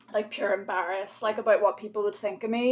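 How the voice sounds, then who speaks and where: With a strong Irish accent, a woman talks at a fairly quick pace and a fairly high pitch, her intonation fairly even. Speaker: podcast guest. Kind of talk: casual chat.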